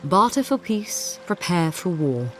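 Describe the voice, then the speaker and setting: A woman playing a formal, measured and coolly menacing military captain in a video game. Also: lowish voice, sing-song, a bit bright, soft background music. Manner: formal, measured, veiled threat. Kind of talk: video game character acting.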